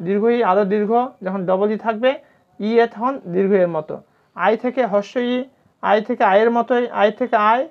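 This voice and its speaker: A native Bengali-speaking woman teaching English pronunciation in a recorded lesson, slowly repeating example words and pausing with fillers. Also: medium pitch. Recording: dull lo-fi sound.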